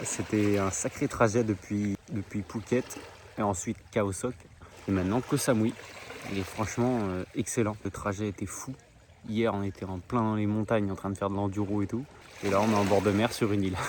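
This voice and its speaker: A man's fairly low voice at a moderate pace, with fairly even intonation, long, frequent pauses and noticeable background noise. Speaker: motorcycle travel vlogger. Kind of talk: casual vlog talk to camera. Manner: casual, hesitant with fillers.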